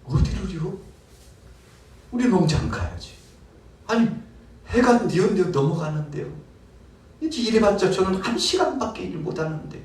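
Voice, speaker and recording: A man's voice: high voice, big pitch swings, moderate pace, pauses often, darkish tone, pitched above the performer's own voice. A man voicing a poor, lame male day laborer who pleads in a whining, self-pitying way. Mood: doubtful. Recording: roomy hall, mic far off.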